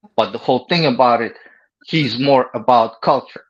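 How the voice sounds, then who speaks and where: A man speaks at medium pitch with a strong non-native accent. The background is quiet. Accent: heavy foreign. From former Soviet country. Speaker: basketball fan guest. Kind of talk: casual chat.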